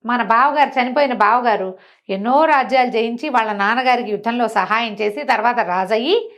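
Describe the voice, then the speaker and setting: A woman's voice: on the high side, brisk, a bit bright, lightly acted. A woman storyteller voicing a scheming usurper uncle in a folk tale, falsely reassuring and persuasive. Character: scheming, smooth-talking usurper uncle, adult man.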